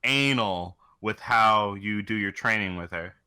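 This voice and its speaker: Man, podcast co-host, very bright sharp voice, casual, joking, profane chat. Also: on the low side, measured pace, clear, resonant tone.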